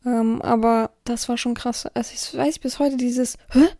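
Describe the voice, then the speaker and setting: A woman hosts a podcast as a dominatrix, giving a casual, rambling monologue in which she corrects herself, acts out what people said, and sometimes drops to a whisper. Her voice is on the high side, flat, dark in tone, and at a moderate pace. The clean, dry studio sound comes from a close mic, audio only, in an indoor room where an air filter is running.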